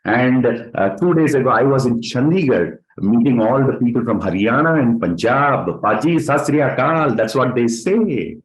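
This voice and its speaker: A man's voice: medium pitch, animated, moderate pace, few pauses, poor audio. A man with a South Indian accent giving a motivational training talk as a direct-selling leader, putting questions to his listeners and repeating words for emphasis. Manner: rhetorical questions to listeners, emphatic word repetition.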